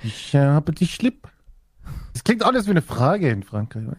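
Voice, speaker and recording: A man's voice: a little high, very animated, normal speed, no echo, studio quality. A man chatting casually in a jokey, playful way. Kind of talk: casual banter.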